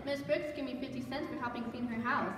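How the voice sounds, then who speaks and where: Woman as high-voiced eager little sister. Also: steady tone, fast talker, a crowd in the background, lightly acted. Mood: excitable. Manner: keen, exclaiming. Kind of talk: amateur stage radio play acting. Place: church stage before an audience. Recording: echoey church hall, distant, clearly noisy.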